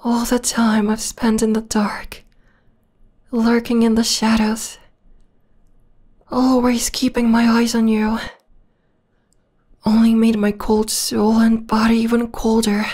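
A woman voicing an obsessive, possessive young vampire lover in an ASMR roleplay, soft, breathy and often whispering, cooing intimately with sweet menace. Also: on the high side.

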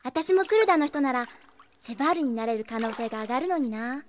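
High-voiced, spirited young shopkeeper. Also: female voice, expressive, fast talker, a little hiss or hum. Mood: wistful. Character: spirited, admiring young female shop manager. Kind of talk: Japanese radio drama acting.

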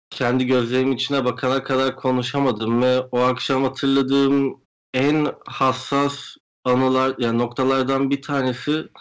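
A man's voice: mid-range voice, smooth, low-quality recording. A young man, a guest artist, explaining his work and views in an interview over a video call. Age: young adult. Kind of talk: interview answers, explanatory talk. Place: indoor room at home, video call. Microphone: video call microphone.

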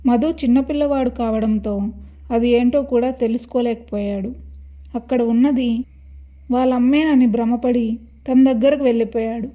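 A woman narrating a scripted horror story in a steady, dramatic storytelling manner. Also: a little high, normal speed, lo-fi sound.

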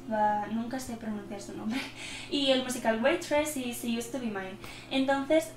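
A woman's voice: a little high, echoey room. Young Spanish woman chatting nervously. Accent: Spanish from central Spain. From Spain. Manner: quick, nervous, stumbling, laughs often. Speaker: YouTuber answering viewer questions. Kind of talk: casual Q&A vlog. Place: small room indoors.

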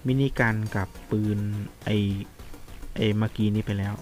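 Excitable man commenting on a mobile game. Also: lowish voice, normal speed. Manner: chatty, excitable, reacts loudly to the action. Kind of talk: casual gameplay commentary. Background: game music.

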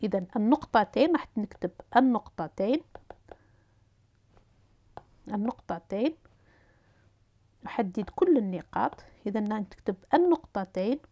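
A woman's voice: medium pitch, animated, normal speed, pauses often, dark tone, dull audio. Algerian woman teaching physics step by step. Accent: Algerian Arabic. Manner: hesitant, with fillers and restarts, talking students through drawing. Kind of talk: whiteboard physics lesson.

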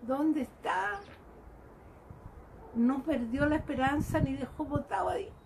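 A woman's voice: high voice, a little slow, vocal fry, a little mellow, slight background noise, low-quality recording. A woman giving a fervent devotional reflection and calling her listeners dear brothers. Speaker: lay preacher. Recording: music playing behind her.

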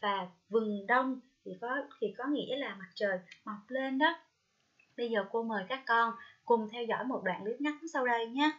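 A woman primary school teacher from Vietnam giving a recorded reading lesson to first graders, gently sounding out words slowly, syllable by syllable. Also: a little high. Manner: slow, careful syllable-by-syllable pronunciation drills; gentle, coaxing address to young pupils. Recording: dull lo-fi recording.

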